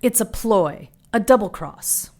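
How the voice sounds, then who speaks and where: An actress playing a calmly authoritative, knowing Catholic nun in an audio drama. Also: female voice, mid-range voice, a little slow. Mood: grave, urgent.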